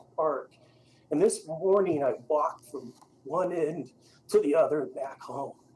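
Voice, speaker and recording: A shaky male voice with a dark, mellow tone, lively intonation, and a moderate pace. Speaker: private citizen giving public comment. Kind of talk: public comment at planning meeting. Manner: emotional, shaky voice.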